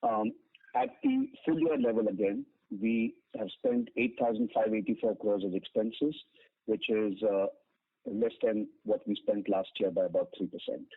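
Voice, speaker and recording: Gravelly Indian-accented man on a phone line. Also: fairly low pitch, very animated, moderate pace, no echo. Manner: matter-of-fact, reading out figures with hesitations. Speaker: bank finance executive. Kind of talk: formal financial results briefing. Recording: narrow tinny phone conference line.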